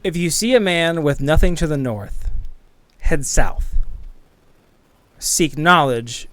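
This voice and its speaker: A man narrating a tabletop game as game master in an informal, halting, self-deprecating way, improvising as he goes. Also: a little high, lively intonation, a bit bright, dry recording. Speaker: game master and podcast host. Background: background music.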